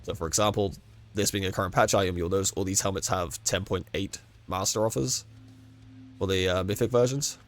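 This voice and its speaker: A deep, steady voice, slightly quick, talks over soft background music. The speaker is a gaming guide creator with a cold, congested and losing his voice, giving casual commentary on a game build and run and rambling with frequent self-corrections.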